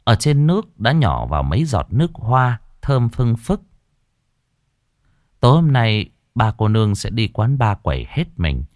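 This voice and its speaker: A man narrating a ghost story in a dramatic, expressive way. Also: medium pitch, measured pace, no echo, clean studio sound.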